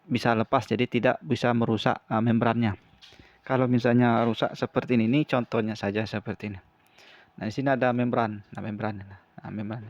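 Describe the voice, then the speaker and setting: A man talks through a hands-on tutorial with a very even, monotone pitch. He explains step by step, haltingly and with repetition. The sound is dry and somewhat muffled, like a simple lo-fi recording. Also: no room sound. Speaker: repair tutorial presenter.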